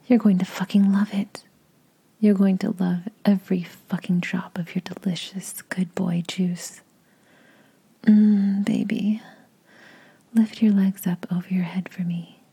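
A woman whispering close to the mic in a slow, coaxing, commanding voice for an intimate audio roleplay. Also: mid-range voice, mellow, husky. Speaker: adult audio performer.

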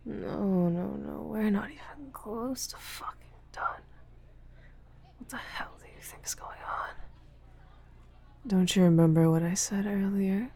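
A woman playing a dominant, taunting lover in an intimate audio roleplay, mostly in a husky whisper with a slow, commanding delivery. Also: medium pitch, dark tone, heavily acted. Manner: slow, teasing, commanding, profane.

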